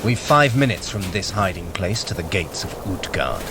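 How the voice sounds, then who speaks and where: An actor playing a sly, haughty trickster god in an audio drama, sardonic, clipped and impatient. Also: male voice, low voice, sing-song, normal speed, background noise. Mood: instructing, superior.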